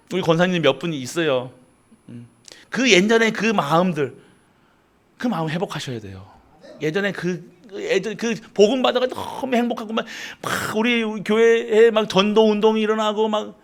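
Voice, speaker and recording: A male pastor delivers a sermon in a fairly high voice. He rises into loud emphatic peaks and drops to low asides. He keeps throwing questions out to the congregation.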